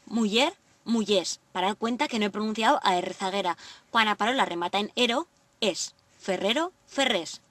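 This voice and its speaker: A woman presenting a language lesson, reading example words slowly and deliberately. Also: mid-range voice, lively intonation, a bit bright, no echo, recorded from a distance. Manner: clear, deliberate word-by-word reading. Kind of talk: scripted lesson narration.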